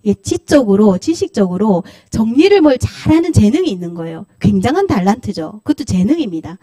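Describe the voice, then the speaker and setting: Lively, animated Korean woman preaching. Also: medium pitch, a little fast, dry recording. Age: middle-aged. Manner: animated, acts out scolding quotes, laughs often. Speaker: pastor's wife preaching. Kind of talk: lively Friday service sermon. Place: church sanctuary.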